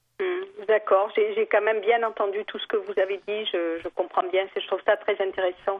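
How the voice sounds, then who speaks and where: The intonation stays fairly even while the pace remains moderate. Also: woman, medium pitch for a woman. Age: 50s. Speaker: caller. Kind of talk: phone-in conversation. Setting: phone call. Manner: hesitant.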